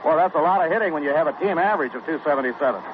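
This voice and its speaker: In a tinny, noisy 1960s AM radio broadcast, a man handles baseball play-by-play. He's brisk and even-toned, slipping in stats between each pitch.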